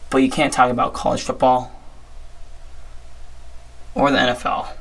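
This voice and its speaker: A young man hosting his own podcast, his voice hoarse and strained. The tone is gravelly with plenty of fry. He talks in a chatty, upbeat way and often restarts his sentences. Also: mid-range voice, little pitch movement, moderate pace, a bit bright, poor audio. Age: young adult. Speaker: podcast host. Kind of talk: casual solo sports talk.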